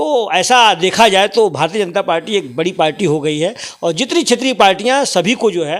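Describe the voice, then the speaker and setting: Very wide pitch swings from a man, very cleanly recorded against a silent background. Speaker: politician. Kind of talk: interview. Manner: emphatic.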